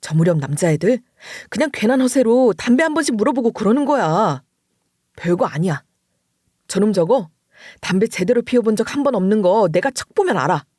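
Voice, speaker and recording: A woman voicing a calm middle-aged husband and father in an audio story, speaking in a soothing, reassuring way. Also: mid-range voice, fairly quick, dry recording, clean studio sound.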